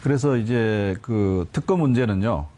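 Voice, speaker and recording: A man commenting on politics as an academic panelist, measured and emphatic, pausing on drawn-out fillers. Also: fairly low pitch, mellow.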